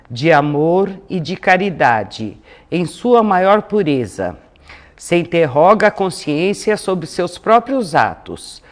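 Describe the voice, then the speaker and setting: A woman with a Brazilian accent giving an informal religious talk as a lecturer, in a didactic manner with frequent tag questions. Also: on the low side. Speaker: spiritist lecturer.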